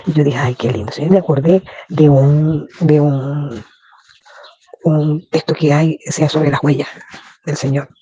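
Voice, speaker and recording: A woman's voice: low voice, fairly even intonation, slow, dark tone, breathy edge, dry recording, dull audio. A Catholic laywoman giving an emotional faith testimony, fervent and prayerful, often breaking into repeated praise.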